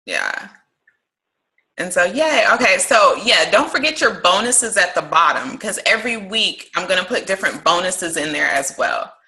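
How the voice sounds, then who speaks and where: A woman's voice: medium pitch, animated, normal speed, bright, forceful tone. A woman hosting a crystal course conference call, chatty and encouraging. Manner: chatty, encouraging, uses y'all. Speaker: course host. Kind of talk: casual group conference call. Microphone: phone or computer call.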